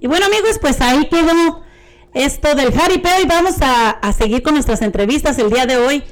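High-voiced woman hosting a radio interview. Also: lively intonation, a little fast. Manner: friendly, encouraging interviewer. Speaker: radio host.

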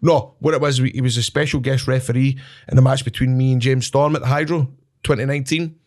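Man, Scottish accent, animated storyteller, swears, laughs a lot, casual chat. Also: medium pitch, quick pace. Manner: animated, swears, laughs at his own stories. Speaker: wrestler guest.

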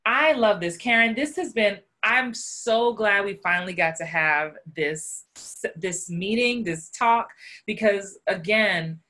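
A woman's voice: medium pitch, takes it slowly, few pauses, pushed and bright. A woman podcast host chatting with her guest in an enthusiastic, appreciative way. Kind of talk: casual interview talk.

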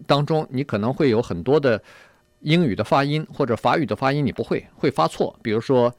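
A man co-hosting a radio talk show, calmly passing on points from an article and agreeing with his partner. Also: medium pitch, a little fast, no echo. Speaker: radio co-host. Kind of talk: casual radio discussion.

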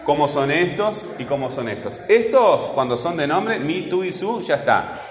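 A man's voice: a little high, expressive, normal speed. Emphatic male teacher with Rioplatense accent. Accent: Rioplatense Spanish. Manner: emphatic, repeats words, keeps asking "right?". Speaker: grammar teacher. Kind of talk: classroom lecture. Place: classroom. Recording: echoey room with long reverb, faint noise.

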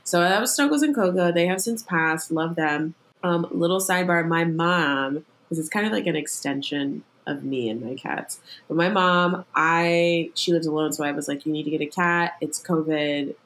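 A woman's voice: on the low side, normal speed, few pauses, a bit bright, slight background noise. Rambling woman full of "like"s. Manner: rambling storyteller, heavy filler "like". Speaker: podcast guest. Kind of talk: casual chat.

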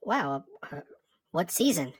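Woman doing a husky black-eyed kid, dry, sardonic, close dry sound. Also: lowish voice, very animated, slow pace, no echo, full character voice, poor audio. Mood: puzzled.

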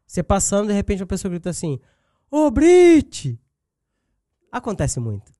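Animated Brazilian man, jokey co-host. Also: high-pitched, racing, dry recording, studio quality. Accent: Brazilian Portuguese. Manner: animated, jokey, shouts greetings in bursts. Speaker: podcast co-host. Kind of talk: casual chat.

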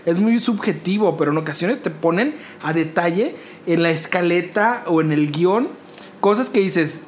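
A man with a northern Mexican accent, a radio producer, in casual podcast chat, animated and sarcastic, swearing freely. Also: sits high, moderate pace, a little hiss or hum.

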